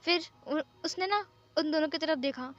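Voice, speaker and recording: Woman storyteller, high voice, steady casual narration, dull lo-fi recording. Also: normal speed. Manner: plain, steady retelling.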